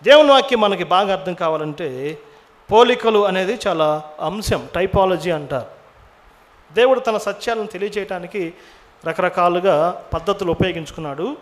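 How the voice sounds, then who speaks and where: High-voiced man preaching a sermon. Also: moderate pace, pauses often. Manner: asks the audience many questions, drops in English words. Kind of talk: sermon, Bible teaching.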